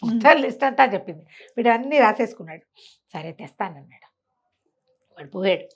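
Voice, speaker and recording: A woman's voice: a little high, lively intonation, a little fast. A woman telling an oral story in a colloquial, conversational way, putting rhetorical questions to her listener.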